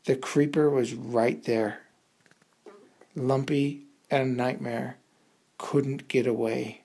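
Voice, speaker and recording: A woman's voice: rumbling low, steady tone, takes it slowly, mellow, slightly rough. A woman telling a suspenseful bedtime story for children in a dramatic, improvised way, repeating words for effect.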